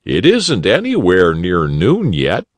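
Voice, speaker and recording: A man voicing a jolly, kindly old rabbit gentleman in a storybook reading. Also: sits low, huge pitch swings, takes it slowly, no room sound, full character voice.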